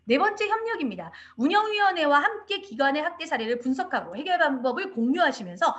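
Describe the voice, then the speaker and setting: Lively woman giving an online lecture. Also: sits high, fast. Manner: animated instructive delivery, acts out quoted parents and teachers. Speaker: lecturer on child abuse prevention. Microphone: video call.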